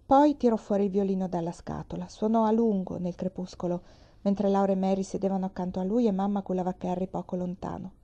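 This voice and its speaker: A woman reads a children's novel aloud with calm, measured pacing. Her voice is mellow and warm, at a middle pitch. The recording sounds dull and lo-fi. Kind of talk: audiobook reading of a children's novel.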